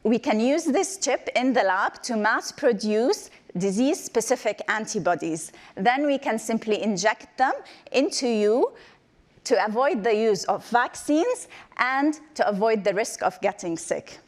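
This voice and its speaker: A woman's voice: on the high side, expressive, unhurried. A woman in her twenties from Palestine, raised in the Emirates. She gives a short, playful research talk as a PhD candidate, then answers questions with many ums.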